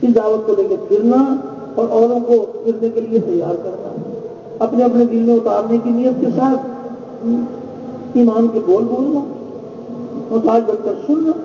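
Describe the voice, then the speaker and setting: A man preaching a sermon, measured and exhorting, repeating key phrases. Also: very high-pitched. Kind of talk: religious sermon. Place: large gathering space. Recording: echoey, distant, dull lo-fi with faint noise.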